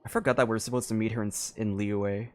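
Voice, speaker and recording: A man's voice: lowish voice, steady tone, fast talker, darkish tone. A man giving casual live commentary as a game streamer, thinking aloud in a hesitant way.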